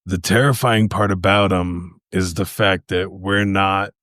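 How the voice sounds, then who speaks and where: Brief: male podcast co-host, very low voice, relaxed storyteller, swears casually, close dry sound. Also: a little slow, no echo. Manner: laid-back, profane, storytelling. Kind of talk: casual chat.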